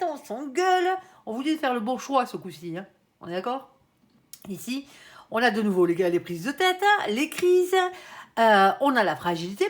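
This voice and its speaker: A talkative woman reading tarot cards in a relaxed, conversational way. Her voice sits a little high, and she keeps pausing to call on her angel and tack on little tags. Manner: chatty, frequent tag "hein", addresses her angel. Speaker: tarot card reader.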